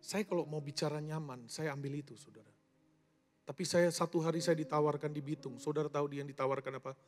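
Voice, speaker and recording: A man preaching a sermon as pastor, calling the congregation "saudara" and swinging from loud emphasis to quiet asides. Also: a little high, fairly even intonation, fast talker. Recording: long hall reverb with soft music behind.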